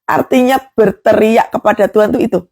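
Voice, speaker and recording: A woman's voice: mid-range voice, a little fast, a little mellow, no room sound, clean studio sound. A woman preaching a devotional sermon, emphatic, with rhetorical questions and acted prayers.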